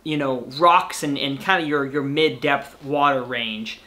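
A man's voice: mid-range voice, a little slow, bright, forceful tone. A young adult man hosting a casual, playful debate over a video call from a room at home. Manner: easygoing, playful, wraps up the show. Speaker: host. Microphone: webcam on a video call.

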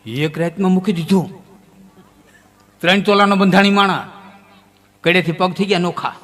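A man telling comic folk stories on stage, with lively, sudden jumps in pitch. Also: normal speed. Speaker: folk storyteller. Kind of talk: folk comedy storytelling on stage. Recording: long hall reverb.

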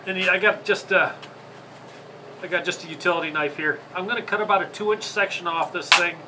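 A stuffy, congested man with a Michigan accent talks in a chatty, rambling way, apologizing as he goes. His voice sits a bit high and sounds bright and edgy. A faint room hum sits under the speech. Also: steady tone, brisk, poor audio. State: congested from a sinus infection. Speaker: fishing channel host. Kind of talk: casual how-to video. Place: indoor tackle workshop.

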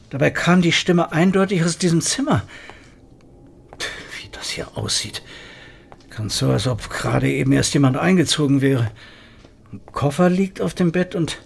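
An actor playing a wary, dry-witted police inspector in a radio horror drama, often talking to himself. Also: male voice, a little high, creaky, slight background noise.

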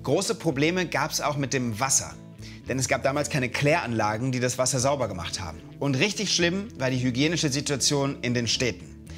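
A man doing a jolly Roman and peasant guide, lively swooping voice, playful and exaggerated, talking straight to kids, soft music underneath. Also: mid-range voice, normal speed, natural voice. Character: cheerful ancient Roman and medieval peasant man. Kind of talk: costumed history narration for children. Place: studio set with sofa.

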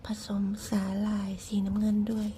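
Casting: woman for hushed, quiet-at-night ASMR eating commentary, soft breathy whisper, dark gentle tone, some background hiss. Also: medium pitch, monotone, moderate pace. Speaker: ASMR eating show host.

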